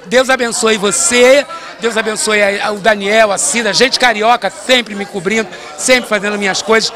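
An older actress speaking backstage into a handheld mic, effusive and grateful, rattling off thanks. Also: female voice, medium pitch, fairly even intonation, crowd noise, background noise. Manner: effusive, grateful, talks fast. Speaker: actress in the reading. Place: backstage at a theater, indoors. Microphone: handheld interview mic.

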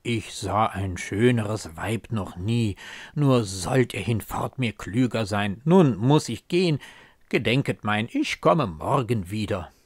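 A bold young mercenary from a recited ballad, hearty and boisterous, as a man plays him. His speech swings widely in pitch and is delivered at a measured pace. The sound is dry and close. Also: animated, breathy edge, dry recording, exaggerated voice. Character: bold hungry young male mercenary soldier.

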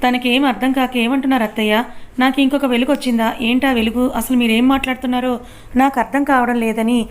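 Woman narrator doing an angry distraught young wife, storybook reading, fairly high voice, narrow intonation. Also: steady tone, fairly quick, close to an everyday voice. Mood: confused. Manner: pleading, confrontational questions.

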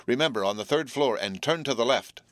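A man's voice: medium pitch, lively intonation, a little fast, no room sound, natural voice. A man voicing a cool-headed teenage boy who gives firm, urgent commands.

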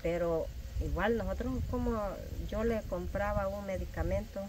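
A woman's voice: mid-range voice, moderate pace, mellow. Heartfelt mother, noisy background. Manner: heartfelt, recounts hardships. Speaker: guest. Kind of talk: casual conversation.

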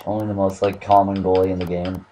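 A young man with a cold and a hoarse voice, hosting casual gaming commentary while opening card packs, swearing and swinging from mumbling to excited shouts. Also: deep voice, fast talker, slight background noise. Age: young adult. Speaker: gaming channel host.

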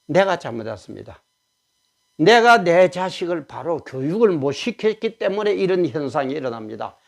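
A man doing a furious middle-aged mom, raised, shrill and gravelly, scolding her grown son hard. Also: very animated, normal speed. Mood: pleading apology.

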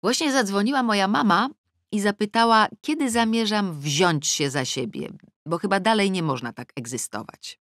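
A middle-aged woman reading a first-person novel aloud in a studio, with lively, ironic storytelling. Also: mid-range voice, normal speed, no echo. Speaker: audiobook narrator. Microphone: close studio mic.

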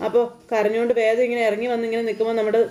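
A woman's voice: fairly high pitch, rapid-fire. A woman casually retelling a TV serial episode, acting out the characters' lines as she goes. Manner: lively, quotes the characters' dialogue as she goes. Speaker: narrator recapping a TV serial episode.

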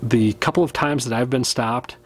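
A man in his thirties talks straight to the camera in a small indoor room, explaining what to pack for a fishing trip. His voice sits at an ordinary middle pitch, and his delivery is relaxed and practical, with small chuckles here and there. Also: normal speed, slight background noise. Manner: easygoing, practical, with small laughs. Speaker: fishing channel host. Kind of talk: casual to-camera gear talk. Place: indoors, small room with wood-panel wall.

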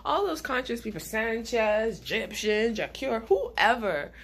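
A woman's voice: on the high side, lively intonation, measured pace, husky. Chatty woman with a stuffy head cold. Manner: chatty, rambling, laughs often. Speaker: vlogger. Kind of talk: casual vlog chat to camera. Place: small bedroom indoors.

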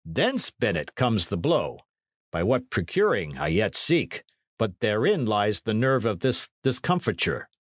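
A man's voice: lowish voice, very animated, measured pace, dry recording, clean studio sound. A man voicing a portly middle-aged priest in an audiobook, fretful and scholarly, with pompous, exclamatory archaic speech. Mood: deliberating, pompous.

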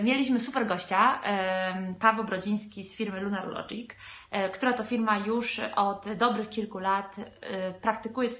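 A woman in her thirties speaks straight to a camera set close to her in a small bright room. She pauses on frequent fillers as she talks, and her voice rings off the bare walls. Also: medium pitch. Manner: many hesitation fillers between phrases. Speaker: event host. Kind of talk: video introduction to camera. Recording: echoey room.

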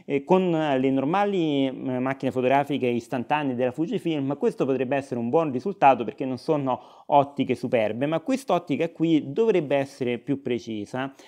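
A man's voice: mid-range voice, normal speed, hardly any pauses, dark tone. A man narrating a casual vlog, chatty and explanatory with frequent hesitations. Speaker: vlogger.

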